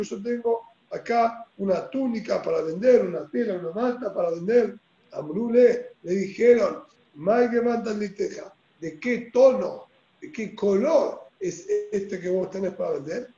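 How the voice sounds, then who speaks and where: High, mellow-voiced Rioplatense teacher. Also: male voice. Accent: Rioplatense Spanish. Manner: explanatory, with frequent check-in "¿sí?". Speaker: Talmud teacher. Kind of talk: religious text lesson. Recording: echoey room, dull lo-fi sound.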